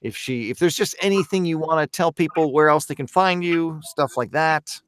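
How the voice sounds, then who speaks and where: A man's voice: on the high side, normal speed, a bit bright, smooth, no echo. Rambling man hosting a chat. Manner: rambling, lots of filler and restarts. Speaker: podcast host. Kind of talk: casual group chat.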